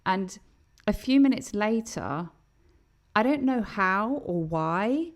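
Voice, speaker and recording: A woman co-hosting a podcast, telling stories in an animated, casual way. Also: mid-range voice. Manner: animated storyteller, quick to laugh. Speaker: podcast co-host.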